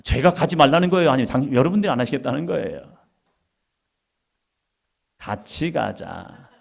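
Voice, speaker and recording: A middle-aged male pastor from Chungcheong with a Chungcheong accent, preaching a lively sermon and acting out quoted voices. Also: fairly high pitch, rapid-fire, vocal fry. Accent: Chungcheong Korean. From Korea, Chungcheong region. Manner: lively preaching, quoting people in changed voices, laughing with the congregation.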